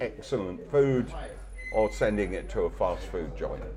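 Over noticeable background noise, a man with a London accent speaks at a fairly slow pace. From London, England. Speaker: bar owner. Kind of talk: interview. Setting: in a bar.

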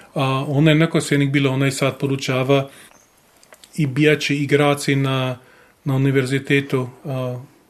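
A man's fairly high-pitched voice, monotone and flat in intonation. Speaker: lawyer. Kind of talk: casual chat. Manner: halting.

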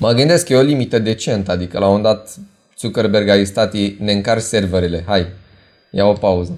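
A man speaks at a moderate pace with a fairly low pitch and ordinary pitch variation. He has an unremarkable speaking voice, and his loudness stays very even. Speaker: podcast host. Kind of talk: casual chat. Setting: video call.

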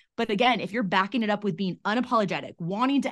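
A woman with a fairly high voice talks very fast in an animated tone over a quiet background. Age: 30s. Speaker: entrepreneur and podcaster. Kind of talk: casual chat.

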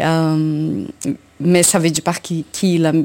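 Against noticeable background noise, a woman speaks with a fairly low pitch. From Brazil, São Paulo. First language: Portuguese (speaking French). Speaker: orchestra conductor. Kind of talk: casual chat.

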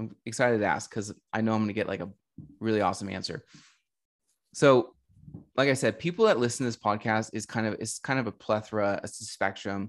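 Against a quiet background, a man of medium pitch talks at a fairly quick pace with ordinary pitch variation and long, frequent pauses. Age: 30s. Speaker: podcast host. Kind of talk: podcast interview.

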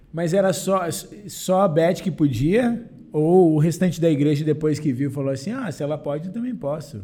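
At a moderate pace, a man speaks with a dark, mellow tone, a fairly high pitch, and lively intonation. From Rio de Janeiro, Brazil. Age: 30s. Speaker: podcast host. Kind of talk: casual chat.

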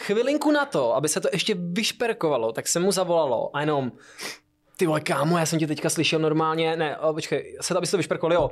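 A man with a high-pitched voice, talking very fast with lively intonation. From eastern Bohemia, Hradec Králové. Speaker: podcast host. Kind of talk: casual chat.

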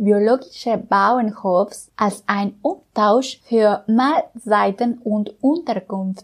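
A woman with a Spanish accent speaks at a very slow pace with hardly any pauses, her fairly high pitch showing ordinary variation. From Mexico City. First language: Spanish (speaking German). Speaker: podcast host. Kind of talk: scripted narration.

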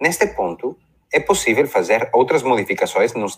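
A man with a Spanish accent, on a very clean recording with a silent background. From Barcelona, Spain. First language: Spanish (speaking Portuguese). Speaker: data scientist. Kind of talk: software demo. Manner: halting.

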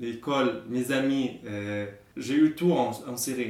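Audible room echo hangs on a man's speech. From Syria, Yarmouk camp near Damascus. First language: Arabic (speaking French). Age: 20s. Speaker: refugee. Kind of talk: testimony. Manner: halting.

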